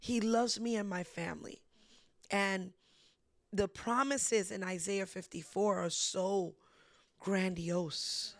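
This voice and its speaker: A woman hosting a casual faith discussion, telling stories with lively animation and frequent laughs. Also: medium pitch, slow, no room sound. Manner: animated storytelling, laughs often. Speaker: ministry host.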